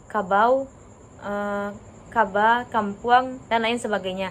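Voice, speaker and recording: A woman at a fairly high pitch and fairly slow pace, with fairly even intonation, on a very clean recording with a silent background. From Indonesia, Minangkabau (West Sumatra). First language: Minangkabau (speaking Indonesian). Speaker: university student. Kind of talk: student presentation. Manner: halting with frequent fillers.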